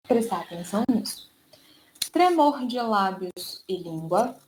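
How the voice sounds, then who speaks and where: A woman with a Brazilian Portuguese accent, a speech therapist giving an online lecture and drawing out key words slowly to explain them. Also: mid-range voice, a little mellow, slight background noise, low-quality recording.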